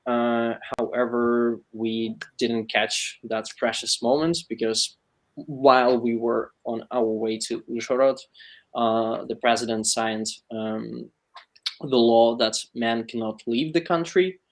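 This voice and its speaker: A man's voice: mid-range voice, steady tone, takes it slowly, low-quality recording. A man from Ukraine with a Ukrainian accent, giving a conversational personal account as an interview guest. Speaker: panel guest.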